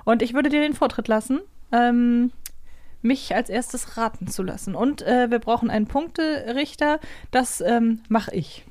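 A woman's voice: on the high side, measured pace, darkish tone, no echo. A woman hosting a casual quiz podcast, chatting and joking with her co-host. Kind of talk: casual quiz banter between co-hosts.

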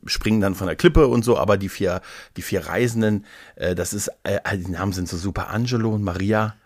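A man's voice: lowish voice, a little fast, no room sound, studio quality. A middle-aged man chatting casually as a podcast co-host, retelling things in a rambling, playful way with repeated words. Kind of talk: casual conversational storytelling.

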